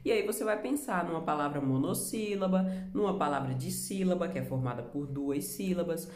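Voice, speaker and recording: A woman's voice: sits low, fairly quick, echoey room, noisy background. A Brazilian woman teaching a remote lesson for children, patient, explaining step by step and asking the class questions. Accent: Brazilian Portuguese.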